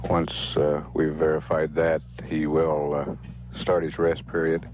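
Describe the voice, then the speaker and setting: An American man making official mission status announcements in a halting, measured, matter-of-fact way. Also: extremely low pitch, completely flat delivery. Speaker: mission control public affairs announcer. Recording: narrow-band archival broadcast with faint hiss.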